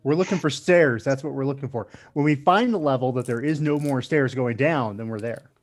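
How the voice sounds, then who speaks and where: A man's voice: medium pitch, fairly quick, soft background music. A man playing a tabletop game, joking and playing dim. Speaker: player. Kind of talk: casual game chat.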